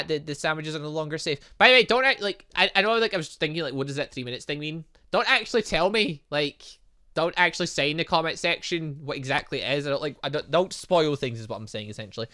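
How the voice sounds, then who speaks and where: A game playthrough host reading aloud and commenting in a rambling, excitable, self-interrupting way. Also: mid-range voice, clean tone. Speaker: gaming video host.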